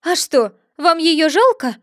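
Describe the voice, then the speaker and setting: A woman reading aloud and voicing a frightened white rabbit who speaks in an anxious hush. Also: high-pitched, moderate pace, no room sound, clean studio sound. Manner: hushed, anxious.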